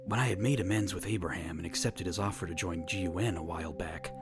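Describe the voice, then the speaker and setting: A man playing a brooding, world-weary hero who narrates a fan audio drama in a formal, deadpan, wry way. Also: deep voice, fast, lightly acted. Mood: somber, reflective. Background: music.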